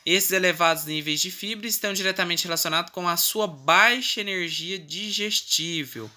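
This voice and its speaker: Brazilian teacher talking through a recorded lesson, bright tone, stops to fix slips. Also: mid-range voice. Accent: Brazilian Portuguese. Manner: explains step by step with frequent "né" and "tá" tags, stumbles and corrects itself. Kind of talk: recorded online class lecture.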